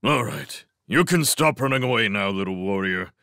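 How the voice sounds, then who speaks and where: A man voicing a flat, rasping owl captain. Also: lowish voice, moderate pace, no echo, clean studio sound, heavily acted. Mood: commanding. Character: huge hungry male owl captain, stern and menacing.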